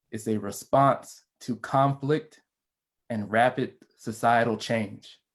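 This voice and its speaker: Here a man with a Virginia accent speaks at medium pitch with fairly even intonation. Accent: Virginia Southern US. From rural South Central Virginia (Farmville). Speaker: public historian. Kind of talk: panel talk with prepared notes. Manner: hesitant, with frequent fillers.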